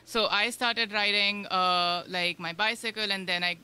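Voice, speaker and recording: A woman's voice: mid-range voice, fairly even intonation, measured pace, sharp tone, clear, resonant tone. A woman from India, a guest on a radio show, talking casually and rambling with many fillers. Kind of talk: casual interview chat. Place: radio studio.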